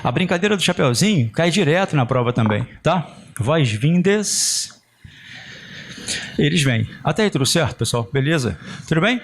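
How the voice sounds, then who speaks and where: A man's voice: fairly high pitch, very animated, fast. A man with a Brazilian Portuguese accent giving a chatty, joking exam-prep lesson on Portuguese grammar. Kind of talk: lively classroom lecture.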